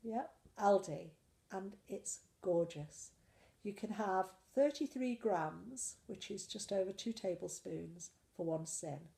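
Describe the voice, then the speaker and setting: A woman's voice: medium pitch, slow, gravelly, mellow. A woman with a cold chatting in a casual weekly diet vlog, rambling and self-deprecating. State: full of cold. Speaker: slimming vlogger.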